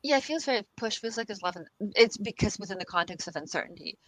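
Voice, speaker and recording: A woman's voice: medium pitch, animated, fast talker, no room sound, low-quality recording. A woman guest on a casual podcast interview, reassuring and laughing often, repeating herself as she talks. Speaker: guest expert on the future of work.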